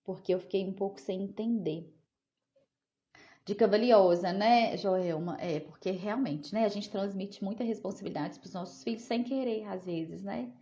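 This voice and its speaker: A woman's voice: medium pitch, moderate pace, mellow, muffled recording. A woman, a psychologist answering viewer questions in a chatty live talk, often checking in with "né?". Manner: chatty, often asks "né?", talks to viewers as "gente". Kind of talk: casual live Q&A.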